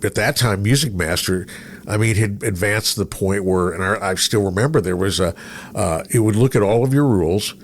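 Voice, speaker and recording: A man's voice: on the low side, brisk. A middle-aged man hosting a casual conversational interview, telling stories and voicing his own thoughts as he goes. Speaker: podcast host, former radio programmer. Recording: noticeable background noise.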